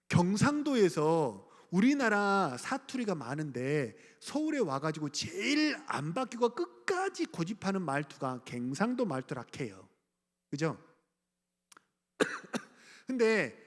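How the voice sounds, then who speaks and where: A middle-aged man from Gwangju preaching a sermon as pastor, speaking conversationally, asking the congregation questions and chuckling. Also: high-pitched. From Gwangju, South Korea. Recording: church hall reverb.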